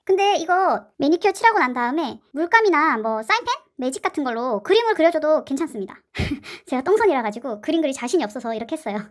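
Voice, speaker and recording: Bubbly high-pitched woman crafter. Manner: playful, chatty, with cute sound words. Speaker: slime and clay craft channel host. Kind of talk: casual craft tutorial narration.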